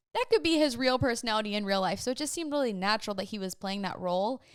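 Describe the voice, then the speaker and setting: A woman with an American accent speaks in an animated tone. Her pitch is fairly high, with lively intonation. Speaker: podcast host. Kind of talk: casual solo podcast chat. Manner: fast.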